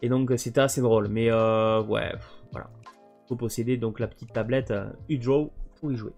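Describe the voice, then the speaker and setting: A man's voice: medium pitch, fairly even intonation, normal speed, gravelly, darkish tone, faint music behind. A man casually presenting his video game collection, hesitant and full of fillers. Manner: hesitant, many fillers and restarts.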